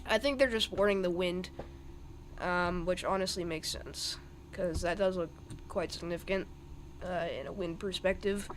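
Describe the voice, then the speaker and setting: A man's voice: sits high, steady tone, normal speed, slight background noise. A young man giving live weather commentary on a stream, thinking aloud over the radar with plenty of ums and restarts.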